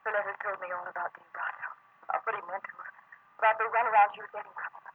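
An actress playing a determined, vengeful young woman in a 1940s radio drama, hushed and intense. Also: medium pitch, steady tone, very fast, background noise, close to an everyday voice. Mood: guarded, bitter. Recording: thin, phone-like old radio recording.

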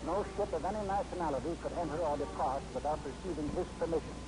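Man, announcer, old radio show sound, formal measured delivery, fairly high voice. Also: background noise. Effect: old radio show broadcast sound. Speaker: program announcer and narrator.

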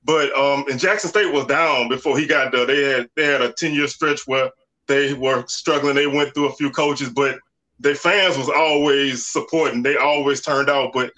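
A man, a podcast guest talking sports in a relaxed, conversational way. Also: mid-range voice, normal speed, low-quality recording. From Southern United States. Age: 40s. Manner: relaxed, conversational, lots of "you know" and "man". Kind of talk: casual sports talk.

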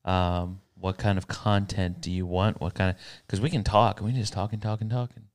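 Deep, smooth-voiced man hosting a podcast. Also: flat delivery, moderate pace. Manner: rambling, self-correcting, upbeat. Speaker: podcast co-host. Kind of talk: casual podcast chat. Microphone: studio podcast mic.

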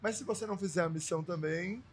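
A podcast co-host asking relaxed follow-up questions in a casual chat. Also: mid-range voice, quick pace.

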